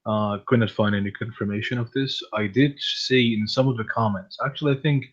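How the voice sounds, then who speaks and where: Low, even-toned male guest on lo-fi call. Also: a little fast. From born in the USSR. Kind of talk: hesitant casual explanation. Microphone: online voice call. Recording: dull lo-fi voice call.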